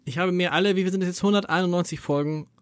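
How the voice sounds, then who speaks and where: A man interviewing a guest in a quick, playful way, his questions rushing out fast. His voice sits somewhat high for a man. The sound is close and dry. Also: dry recording. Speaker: newspaper editor-in-chief as interviewer. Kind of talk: casual conversational interview.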